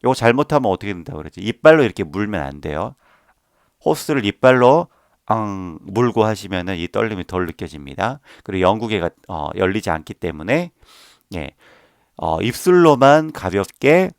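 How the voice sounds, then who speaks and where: Low-voiced man teaching a voice lesson. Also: sing-song, moderate pace, no echo, clean studio sound. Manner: patient, explanatory, demonstrates sounds. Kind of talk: instructional voice lesson.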